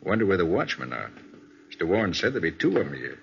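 An actor playing a shrewd, unflappable American private detective in 1940s radio crime drama, questioning briskly. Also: male voice, low voice, very animated, creaky, a little hiss or hum, heavily acted. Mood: businesslike. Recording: dull vintage 1940s radio recording.

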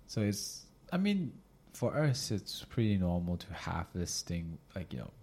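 A man with a slightly raspy voice hosting a podcast as a casual, slangy, sweary chat. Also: low-pitched, big pitch swings, measured pace, crowd noise. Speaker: podcast host. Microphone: podcast microphone.

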